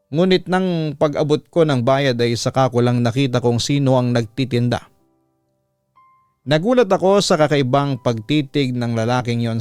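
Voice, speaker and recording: A man's voice: mid-range voice, a little mellow, no echo. A man with a Filipino accent reading a listener's letter aloud as a storytelling host, in first-person dramatic narration.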